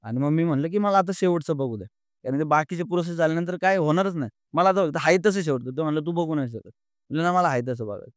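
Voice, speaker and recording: An earnest young man, a podcast guest, tells an emotional story during an interview in a slightly high voice. He speaks haltingly, with many fillers and restarts, and the recording is dry and studio quality.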